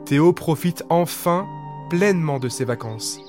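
A man telling a bedtime story in a lively, expressive reading voice. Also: on the high side, a little slow, faint music behind.

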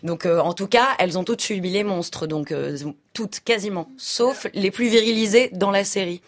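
A woman speaking as a guest on a radio panel. She sounds earnest and keeps pausing on fillers as she builds up her argument. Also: mid-range voice. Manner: earnest, hesitant, many fillers.

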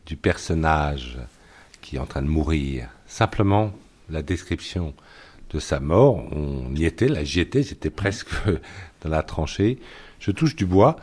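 A man's voice: very deep voice, expressive, unhurried, darkish tone, husky. A male journalist speaking as a guest in a radio debate, hesitant and full of fillers.

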